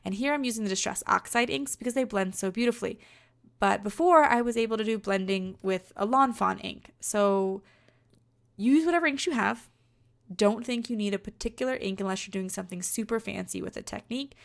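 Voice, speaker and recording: Gravelly-voiced woman chatting about crafts. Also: medium pitch, fairly quick. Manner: chatty, rambling, many fillers. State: rough voice from being sick. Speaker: card-making vlogger. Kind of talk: casual crafting voice-over.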